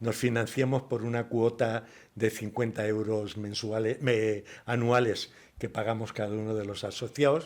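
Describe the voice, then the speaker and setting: A man's medium-pitched voice, fairly slow and monotone, with flat intonation. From Spain, Ciudad Real (La Mancha). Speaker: former senator. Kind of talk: interview. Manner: halting, many fillers.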